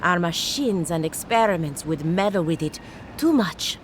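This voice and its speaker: A woman's voice: lowish voice, lively intonation, moderate pace, slight background noise, close to an everyday voice. An actress playing an eccentric, condescending woman researcher who studies people like specimens, in a theatrical, clinical manner. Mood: brisk, clinical. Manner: theatrical, clinical, patronizing, sing-song. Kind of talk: video game character dialogue.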